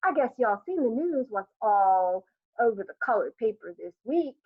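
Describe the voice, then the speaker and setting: A woman voicing a squeaky, effusive neighbor woman who gossips in a folksy dialect and plays up every bit of news with melodrama. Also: big pitch swings, moderate pace, no echo. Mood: gushing. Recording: dry, tinny phone-like sound.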